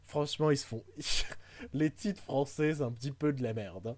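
A man's voice: medium pitch, moderate pace, no echo. Rambling man in a casual film chat. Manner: rambling, hesitant, with frequent fillers and jokes. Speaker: podcast co-host.

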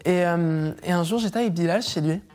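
Lively young woman telling anecdotes. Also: lowish voice, fairly quick, faint music behind. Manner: animated storyteller, laughs often, acts out quotes. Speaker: guest. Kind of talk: casual interview chat.

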